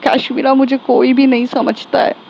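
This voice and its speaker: A woman's voice: high voice, level tone, normal speed, vocal fry, darkish tone, lo-fi sound, slight background noise. A woman voicing a sensitive, confused young woman who speaks in a hurt, tearful way.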